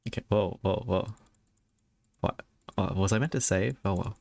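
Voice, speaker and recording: A man's voice: sits low, normal speed, gravelly, a little mellow, slight background noise. A man giving casual, rambling let's play commentary as a streamer, often interrupting himself in a conversational way. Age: adult, past his teens. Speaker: video game streamer. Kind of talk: casual let's play commentary, reading game text aloud.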